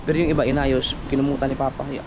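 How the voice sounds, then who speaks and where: A man's voice: medium pitch, little pitch movement, racing, muffled recording, noisy background. Chatty fisherman vlogging outdoors. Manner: chatty, playful teasing with a child. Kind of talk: casual vlog chat. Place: outdoors by the sea.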